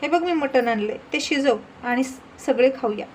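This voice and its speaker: A bullying, hot-tempered village husband barks threats and orders, with a woman acting him out. The voice stays on the higher side in this storybook reading, with a faint hiss in the background. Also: moderate pace, natural voice. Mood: angry. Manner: harsh threatening commands.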